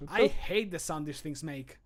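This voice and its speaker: Guy doing a grim fantasy game adventurer, full of disdain, slightly high male voice. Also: lively intonation, measured pace, a bit bright. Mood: disgusted. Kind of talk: video game voice-line acting.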